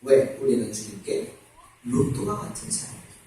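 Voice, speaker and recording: A man's voice: medium pitch, very animated, moderate pace, creaky, dark tone. A man preaching a sermon as a pastor, asking his congregation rhetorical questions and acting out scripture dialogue. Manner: acts out dialogue between God, Satan and Job. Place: church sanctuary. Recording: very echoey church from far off.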